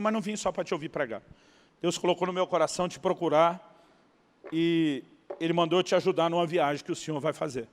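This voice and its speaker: A man from Brazil preaching a sermon as a pastor, telling a story with lively acted-out dialogue. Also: sits high. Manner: animated storyteller, acting out dialogue, laughing at punchlines. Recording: long hall reverb.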